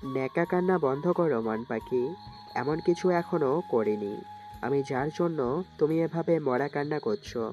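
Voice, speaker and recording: A woman's voice: low voice, moderate pace, muffled recording, faint music behind, voice pushed down, lightly acted. A woman voicing a domineering young mafia boss man, cold and mocking, in a storybook narration.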